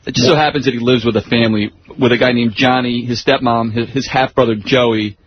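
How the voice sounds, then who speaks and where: Male radio staffer, mid-pitched, casual and dismissive, faintly noisy lo-fi broadcast. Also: steady tone, fairly quick. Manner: dismissive, critical. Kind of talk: casual talk radio commentary. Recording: dull, noisy radio recording.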